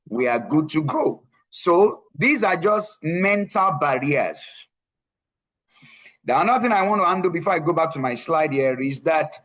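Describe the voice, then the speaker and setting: A man runs a live online career webinar, his voice sitting a little high for a man. He presses his points home and repeats key lines, often tagging them with a quick "right?" to check in with his viewers. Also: a bit bright. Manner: emphatic, repeats key phrases, frequent tag "right?". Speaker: tech career coach presenting a webinar. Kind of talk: live online presentation with screen share.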